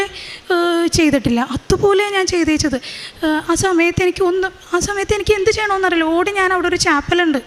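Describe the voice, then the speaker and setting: High-voiced woman giving testimony. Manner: halting, with many fillers and restarts. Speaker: testimony speaker. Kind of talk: religious testimony, personal account.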